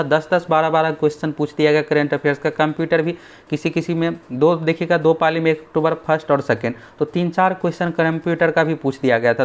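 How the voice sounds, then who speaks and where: A man's voice: a little high, highs cut off. Man briefing students on an exam. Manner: talks straight to students, keeps repeating "dekhiyega"; pushes his course and app. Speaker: exam coaching teacher. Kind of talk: explainer video on exam updates.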